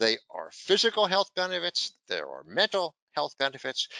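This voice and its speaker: At a moderate pace, a man with a bright, sharp tone, vocal fry and lively intonation talks in a dry, close sound with no echo against a quiet background. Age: 70s. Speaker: university professor and author. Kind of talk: webinar presentation. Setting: online webinar.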